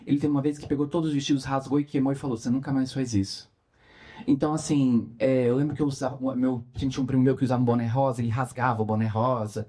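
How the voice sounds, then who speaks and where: Young brazilian guy telling his story, mellow warm voice, acts out the quotes, talks right to the audience. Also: medium pitch, racing, few pauses. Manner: animated storyteller who acts out quoted dialogue and speaks to the audience. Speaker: interview guest telling his coming-out story. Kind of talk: personal storytelling in an interview.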